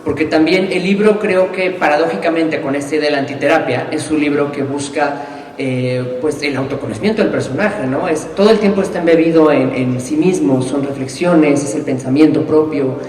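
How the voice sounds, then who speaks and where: A man's voice: on the high side, normal speed, darkish tone. Moderator man in an echoey hall. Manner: conversational, explanatory. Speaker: panel moderator. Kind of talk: live panel talk at a book fair. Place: large hall with long reverb. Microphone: distant from the mic. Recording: echoey hall, far from mic.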